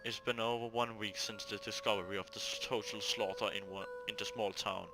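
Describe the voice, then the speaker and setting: A man reading out a serious news report from a visual novel, in a slightly halting way. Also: on the low side, steady tone, over music, lightly acted. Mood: sober. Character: sober newspaper reporter on a mass killing.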